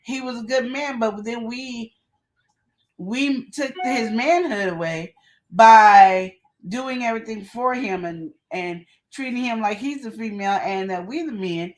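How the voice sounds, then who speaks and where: A woman co-hosting a live relationship advice show, talking in casual chat with emphatic, animated storytelling and quoted asides. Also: a little high, a little slow, poor audio.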